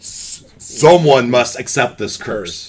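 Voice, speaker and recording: A man does a put-on character voice that is loud and booming, at a medium pitch. He speaks at a very slow pace. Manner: ominous, commanding.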